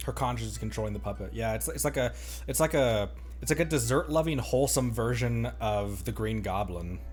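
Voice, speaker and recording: Animated man rambling on a game stream. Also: medium pitch, a little fast. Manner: rambling, playful, breaks into mimicry. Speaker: livestreamer playing a video game. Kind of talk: casual game stream commentary. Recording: faint game music behind the voice.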